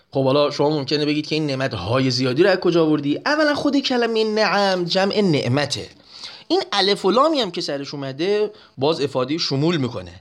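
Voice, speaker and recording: A male religious lecturer with a high voice explains a prayer line by line. He draws each sacred phrase out slowly, then speaks plainly to his listeners. His delivery is lively and swooping, rising sharply as he urges them to pay close attention. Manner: recites Arabic prayer lines slowly and drawn out.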